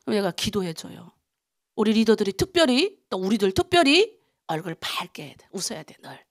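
A middle-aged woman pastor from North Korea preaching an animated dawn prayer sermon, asking her congregation rhetorical questions. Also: medium pitch, fairly quick.

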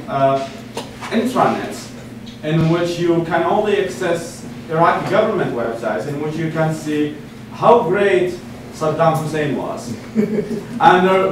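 A young man from Iraq lectures from a podium in a meeting room, his voice set a little high. He speaks earnestly and often restarts his phrases. He sounds distant from the mic, with heavy room echo and a steady hiss of noise behind him. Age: 20s. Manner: earnest, with frequent restarts and fillers. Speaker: guest speaker. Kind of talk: public lecture. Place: meeting room with a seated audience. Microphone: podium mic from far camera.

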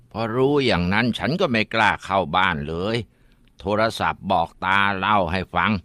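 A man reads out a ghost story in a fairly low voice. The sound is dry and close, with no room around it. He tells it in the first person and voices the family members' words himself. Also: sharp tone, no room sound. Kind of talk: scripted ghost story narration.

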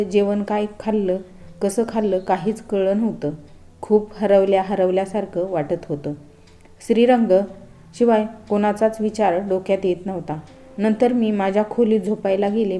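Mellow-voiced woman telling a story. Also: mid-range voice. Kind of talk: first-person story narration.

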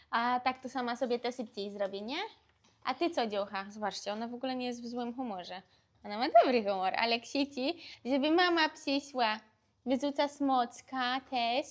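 Chatty young woman vlogging at home. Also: fairly high pitch. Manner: chatty, talks through what she is doing. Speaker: family vlogger, mother. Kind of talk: casual vlog chat to camera.

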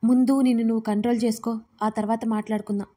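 A calm, protective young man comforts someone in a gentle, reassuring way, as a woman reads him aloud. The voice stays fairly high and mellow, with a very level, even delivery. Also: fast talker, lightly acted. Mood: soothing.

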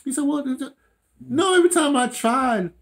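An audio dramatist in his sixties or seventies, probably late sixties, chats casually about his life from a small room at home. He tells stories in an animated way, often repeating phrases and quoting himself, in an extremely high voice with vocal fry at normal speed.

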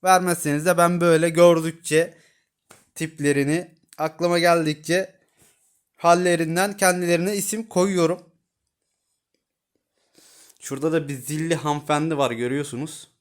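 A man's voice: on the high side, fairly even intonation, moderate pace, long pauses. A man filming his kittens at home, chatting casually to viewers and cooing affectionately at the animals with many repeated words. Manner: cooing and baby-talking to kittens. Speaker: pet vlogger.

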